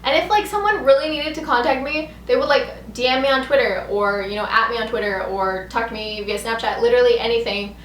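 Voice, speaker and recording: Young woman, high voice, chatty rambling storytime, lots of "like", echoey room. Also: a little fast, few pauses, fairly bright tone. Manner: rambling, heavy use of "like". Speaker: vlogger telling a story. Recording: echoey room with background noise.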